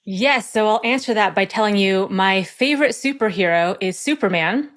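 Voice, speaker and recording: A woman's voice: mid-range voice, moderate pace, fairly bright tone. A middle-aged woman, an executive coach, chatting as a guest in an interview, friendly and thoughtful, laughing easily. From born in South Korea, raised in the United States. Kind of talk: casual interview conversation.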